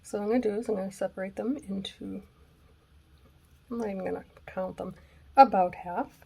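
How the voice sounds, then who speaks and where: Raspy yet mellow, this craft channel host's mid-range voice moves fairly quickly as she gives a casual tutorial at home. She chats and thinks aloud while working, at times falling to a whisper, in her craft room on a gray day, with a camera mic that drifts close and away.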